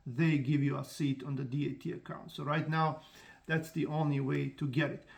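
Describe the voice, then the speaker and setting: A man with as a talks frankly to camera, pitched a little above most men. He rambles, trips over restarts and fills pauses with "uh" as he goes. His tone is casual and direct, like someone explaining his own business. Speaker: trucking company owner and channel host. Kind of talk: casual vlog talk to camera.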